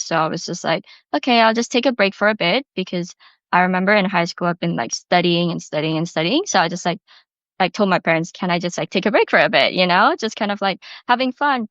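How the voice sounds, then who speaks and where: Young woman, Indonesian accent, podcast guest, casual storytelling, chatty and informal, medium pitch, dry muffled recording. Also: a bit bright, no echo. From Bali, Indonesia. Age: early 20s. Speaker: podcast guest, university student. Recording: slightly dull, lo-fi audio.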